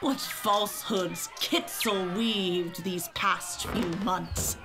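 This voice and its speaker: A woman's voice: medium pitch, fairly even intonation, extremely slow, over music. A woman playing a treacherous, pompous village elder in an audio drama, orating theatrically. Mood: grandiose, accusing.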